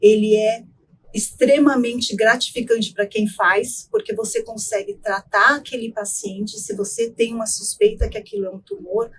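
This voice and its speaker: A middle-aged woman, an ENT doctor, explaining voice care in an interview in a measured way, often ending with tag questions. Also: fairly high pitch, expressive, fairly bright tone, a little hiss or hum, low-quality recording. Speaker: ENT doctor, guest expert.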